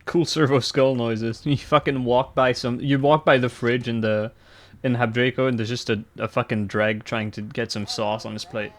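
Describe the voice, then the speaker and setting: A man's voice: mid-range voice, steady tone, normal speed. A man streaming a game, chatting casually with crude jokes and frequent laughs. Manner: crude joking, laughs often. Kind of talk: casual gaming chat.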